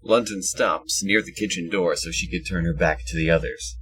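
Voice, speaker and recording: Low, husky male story narrator. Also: normal speed, a bit bright, low-quality recording. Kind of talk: scripted audio drama narration.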